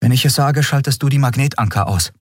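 A man voicing a young woman starship captain in an audiobook, brisk and breezy while she hides her nerves. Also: medium pitch, slightly rough, no echo, clean studio sound, voice pushed up, close to an everyday voice. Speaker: ship captain.

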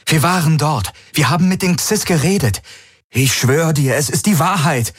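A desperate young man pleads for trust, his voice climbing high and tight with urgency, as a male narrator puts him on. The delivery is close and dry, with no room around it. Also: moderate pace, husky, no room sound. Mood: pleading.

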